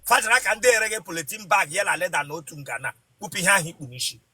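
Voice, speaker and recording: Sharp, high-pitched bossy Nigerian man. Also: racing, husky, no echo. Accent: Nigerian Igbo-speaking West African. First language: Igbo. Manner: bossy, scolding, excitable. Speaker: comedy show host, interviewer. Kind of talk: comedic mock interview. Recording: noisy location with ambient sound.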